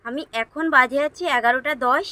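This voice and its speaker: A woman with a somewhat high voice chats casually to the camera in her home, calling her viewers friends as she goes through her day. Her throat is hoarse, giving the voice a rough, worn edge. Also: moderate pace, bright, forceful tone. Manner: chatty, keeps addressing her viewers as friends. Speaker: daily-life vlogger. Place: at home, sitting under a ceiling fan.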